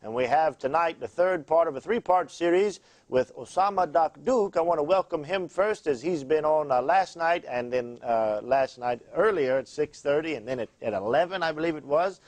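A man's voice: fairly high pitch, normal speed, few pauses, no echo. Dry-voiced man hosting a studio talk show. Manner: preacherly, warm affirmations, frequent fillers.

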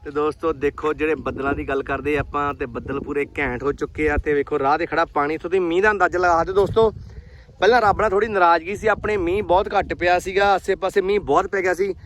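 A man from Punjab, India, chats with his viewers like friends as he vlogs from the farm fields. His voice sits a little high for a man. It comes from an outdoor phone recording, with wind and field noise clearly heard around him. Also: steady tone, fast, a bit bright. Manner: chatty, talks straight to viewers as friends. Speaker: vlogger. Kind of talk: casual vlog chat. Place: outdoors in rural farm fields, on a motorbike and walking.

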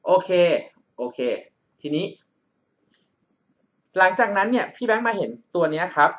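Talking through an exam question on a screen recording, this male tutor keeps checking that the student is following and refers to himself with a big-brother nickname. He has a fairly high, somewhat bright voice, and the audio sounds dull.

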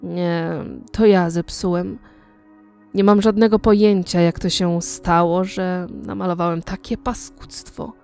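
A woman voicing an irritable, quick-tempered young male painter in an audiobook reading, sounding exasperated. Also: on the low side, fairly even intonation, vocal fry, a little mellow, smooth, faint music behind. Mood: irritated.

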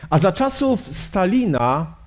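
A man's voice: high-pitched, big pitch swings, slow pace. A male pastor giving a sermon lecture, telling a story solemnly and posing rhetorical questions. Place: lecture at a health exhibition.

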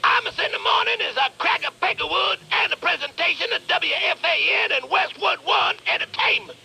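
A man announcing a radio station liner, punchy and rapid. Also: very high voice, lively intonation, creaky, sharp tone, soft background music.

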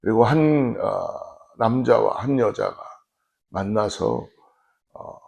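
A male pastor giving an early morning sermon, speaking slowly and measured with frequent pauses and fillers. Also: on the low side, expressive, gravelly, darkish tone. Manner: slow measured preaching with fillers.

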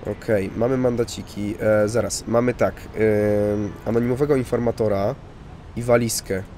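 A man's voice: fairly low pitch, fairly even intonation, normal speed, warm tone, a little hiss or hum. A man casually commenting on a video game, muttering to himself as he plays. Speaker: gamer. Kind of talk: let's play commentary.

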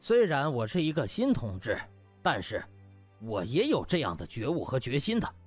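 A man's voice: mid-range voice, wildly swooping pitch, moderate pace, slightly rough, soft background music. A man voicing a pompous, self-important male hospital vice director making officious speeches. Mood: pompous, rallying.

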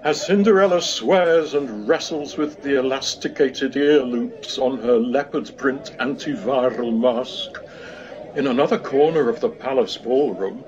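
A man's voice: medium pitch, muffled recording, background noise. A man narrating a scripted comic pantomime story, recorded remotely.

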